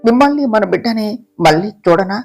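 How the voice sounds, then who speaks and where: A storyteller voicing a frightened young wife who pleads with her husband through tears, soft guitar playing behind. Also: medium pitch, expressive, fairly quick, lightly acted. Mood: tearful. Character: tearful young pregnant wife, fearful and devoted. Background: soft guitar music.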